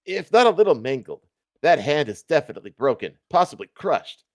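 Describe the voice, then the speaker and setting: Man putting on a flustered, high-pitched news reporter. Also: big pitch swings, fairly quick. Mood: nervous relief. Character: flustered male TV news reporter, anxious live commentator.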